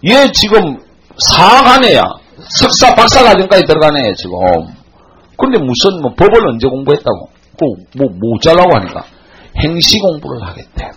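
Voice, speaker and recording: A man in his forties giving a classroom lecture, telling a blunt, animated story to his students. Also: a little high, normal speed, slightly rough, rough recording. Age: 40s.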